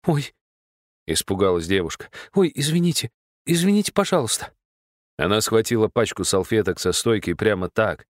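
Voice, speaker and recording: Deep-voiced man reading an audiobook. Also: no echo, studio quality. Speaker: audiobook narrator. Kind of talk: scripted audiobook narration.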